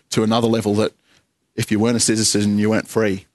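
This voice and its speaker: A man speaks in an Australian accent at a fairly low pitch. His intonation is monotone and flat. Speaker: pastor. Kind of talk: sermon. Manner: halting.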